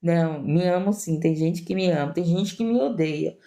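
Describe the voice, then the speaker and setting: A woman's voice: on the low side, normal speed, dark tone. A woman missionary with a Brazilian Portuguese accent, preaching a fervent sermon full of repetition and direct appeals to her listeners.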